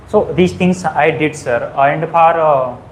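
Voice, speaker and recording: A man's fairly high-pitched voice sounds over noticeable background noise. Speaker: defence job candidate. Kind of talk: mock job interview. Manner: hesitant, many fillers.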